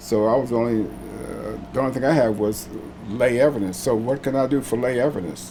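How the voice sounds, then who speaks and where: A man's medium-pitched voice with an American accent, fairly even intonation, and noticeable background noise. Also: fairly quick pace. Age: 80s+. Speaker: war veteran. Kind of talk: interview testimony. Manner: halting, with repetitions and fillers.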